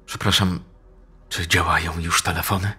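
Brief: frightened young woman pleading, acted by a male narrator, husky edge, audiobook. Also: sits low, flat delivery, normal speed, sharp tone, heavily acted. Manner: pleading, shaken. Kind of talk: audiobook character voice.

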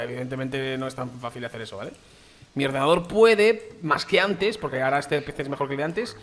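A man's voice: medium pitch, fairly bright tone, slight background noise. A man from Spain with a Spain Spanish accent, casually commenting on a game as he plays it, slangy and chatty, talking straight to his viewers. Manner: chatty, slangy, addresses viewers as "chicos" and "tío". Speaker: gaming YouTuber.

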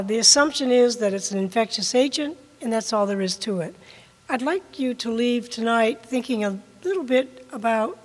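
An older woman giving a public science lecture at a podium, slightly hoarse from a cold, measured with occasional ums. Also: a little high. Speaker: guest lecturer. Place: large lecture room with audience. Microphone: podium mic. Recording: long hall reverb.

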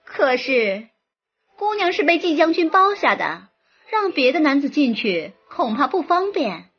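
A woman voicing a smooth, worldly brothel madam who placates guests in a slow, soothing way. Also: high-pitched, very animated, muffled recording, full character voice. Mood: hesitant.

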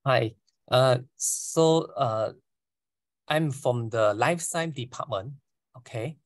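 A Malaysian man in his forties, a lecturer briefing over a video call, halting and repeating words. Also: medium pitch, dry recording. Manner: halting, repeats words, non-native grammar.

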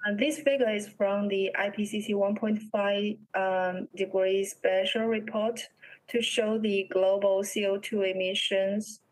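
A young woman with a Chinese accent presents research at a slow pace. Her pitch stays level with little variation. Her delivery is halting and hesitant, in the style of an academic talk on a video call. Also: steady tone, low-quality recording.

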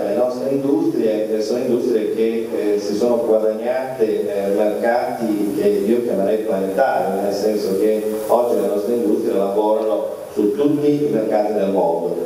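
A middle-aged man answering questions at a press conference, halting with many filler sounds, in a measured way. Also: on the low side, dark tone, a little hiss or hum. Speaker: trade fair executive at a press conference. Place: conference hall with audience. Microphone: handheld mic, heard through the room. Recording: echoey hall, voice from far off.

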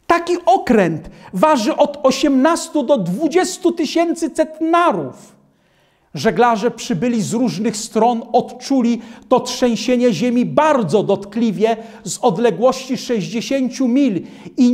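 Slow, grave older man preacher. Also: very high voice, darkish tone. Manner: measured and grave, stands reading from a book. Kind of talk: slow, solemn reading of historical accounts.

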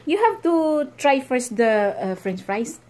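A woman with a Filipino accent cooking at home for her husband in a casual vlog, talking in halting English mixed with German and Filipino words. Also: sits high, big pitch swings, darkish tone. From Philippines. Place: home kitchen.

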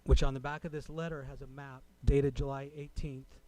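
A man speaking as a resident at a public meeting, delivering a prepared comment in a formal, deliberate way. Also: medium pitch, flat delivery, dark tone. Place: city council chamber.

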